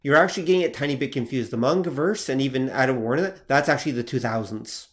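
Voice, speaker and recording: A man's voice: medium pitch, quick pace. A man co-hosting a podcast in casual chat, asking questions and correcting his partner. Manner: attentive, steering the talk with questions and corrections. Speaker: podcast co-host.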